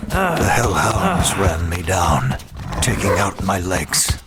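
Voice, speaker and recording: A man playing a broken, self-loathing demon who narrates a horror audio drama in a grave, measured way. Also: low voice, very animated, heavy background noise, exaggerated voice. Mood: weary anguish. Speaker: first-person narrator.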